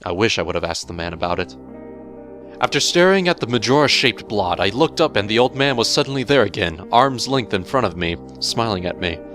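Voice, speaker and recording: Male horror narrator, fairly low register, measured and theatrical, music behind the voice. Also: animated, fairly bright tone. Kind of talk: dramatic horror story reading. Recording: music bed under the voice.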